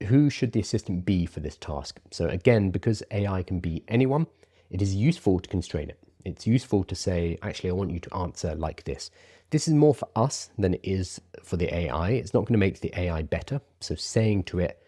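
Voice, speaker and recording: A man presenting a lesson conversationally, informal and explanatory, stressing key points, with R's that sound like W's. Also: low-pitched. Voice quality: soft R's pronounced like W's. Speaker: presenter teaching prompt writing.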